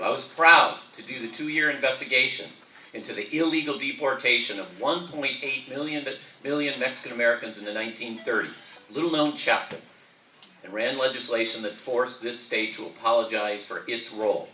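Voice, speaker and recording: A man's voice: medium pitch, a little fast, pushed and bright, a little hiss or hum. A man answering emphatically as a candidate in a political debate. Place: debate hall. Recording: echoey hall from far off.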